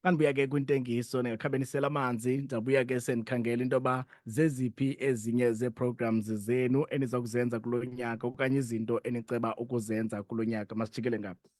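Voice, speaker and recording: A South African man with a Xhosa accent hosts a radio interview in a mid-pitched voice. His questioning is conversational, and the studio sound is dry with no room echo. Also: flat delivery, fast talker, a little mellow.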